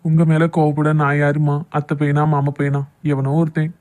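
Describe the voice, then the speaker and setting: A man's voice: a little high, completely flat delivery, normal speed, over loud music, natural voice. A man playing a hurt, jealous young lover in a cartoon love drama, with a southern Tamil Nadu accent. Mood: hurt, sarcastic.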